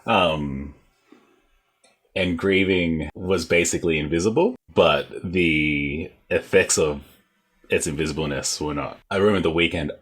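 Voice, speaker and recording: A man's voice: low voice, unhurried, fairly bright tone, breathy edge. A man with an Australian accent talking casually about personal experience as a panelist.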